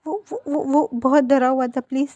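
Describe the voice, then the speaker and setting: A woman's voice: sits high, fairly even intonation, moderate pace, mellow, lo-fi sound, pitched above the performer's own voice, lightly acted. A woman voicing a desperate young man who begs his parents, stammering and repeating himself as she reads a fan fiction story. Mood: pleading.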